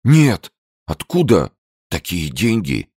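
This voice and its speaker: A man voicing a terrified, wheezing middle-aged black-market boss with a hoarse, trembling voice in an audiobook. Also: low voice, huge pitch swings, slow pace, darkish tone, dry recording, studio quality, pitched above the performer's own voice, exaggerated voice. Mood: anxious.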